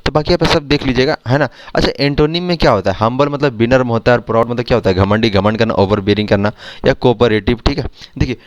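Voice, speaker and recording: Fast-talking Indian man teaching vocabulary. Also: mid-range voice, no room sound. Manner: explains words with repeated quiz questions. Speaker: English teacher for exam prep. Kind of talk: Hindi vocabulary lesson over screen.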